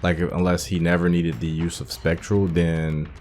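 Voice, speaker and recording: A man with a very low voice gives relaxed commentary on a game he is playing. He muses out loud about the story and works through his thoughts as he goes. Game music plays faintly under his talk. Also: normal speed. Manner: musing, thinking aloud while playing. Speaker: gaming channel host. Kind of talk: casual let's-play commentary.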